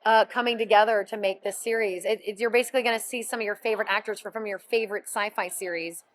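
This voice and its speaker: A woman's voice: mid-range voice, steady tone, fast talker. A woman voice actress as an interview guest, chatting enthusiastically and rambling with frequent restarts. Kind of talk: interview chat.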